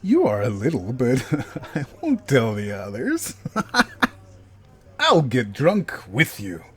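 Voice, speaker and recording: An actor playing a very drunk, clingy general in a fan audio drama, slurring in a giddy, childishly affectionate way. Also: male voice, medium pitch, huge pitch swings, fairly bright tone, slightly rough, full character voice. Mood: giggly, affectionate. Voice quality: slurred speech. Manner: drawn-out, giddy, swooping drunken delivery.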